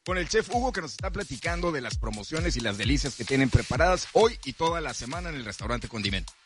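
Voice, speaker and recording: A man's voice: a little high, very animated, fast, music in the background. A man with a Mexican Spanish accent, a radio host doing upbeat promotional patter on a live broadcast from a hotel restaurant. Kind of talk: live radio remote hosting.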